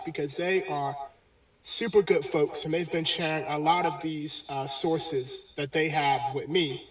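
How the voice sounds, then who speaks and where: Brief: male bible teacher, hesitant delivery with frequent fillers, roomy echoey distant sound. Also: fairly high pitch. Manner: halting, many pauses and fillers. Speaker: religious teacher. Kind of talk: bible lesson video. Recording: echoey, distant video playback.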